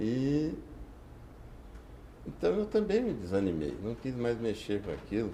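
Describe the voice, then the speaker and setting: Amid audible room echo, a man with a dark, mellow tone and medium pitch speaks fairly slowly and somewhat breathily, with lively intonation and long, frequent pauses. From Brazil, Goiânia. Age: 60s. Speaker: retired appellate judge. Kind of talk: oral history interview. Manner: formal.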